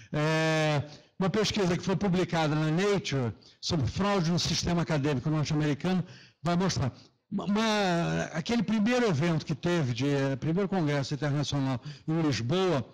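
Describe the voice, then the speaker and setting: Male academic lecturer, Rio Carioca accent, slightly high-pitched, s pronounced as hushing sh, semi-formal classroom delivery. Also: rough recording. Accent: Carioca (Rio de Janeiro) Brazilian Portuguese. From Rio de Janeiro, Brazil. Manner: hushing sh sound for s. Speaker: lecturer, professor. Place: lecture auditorium.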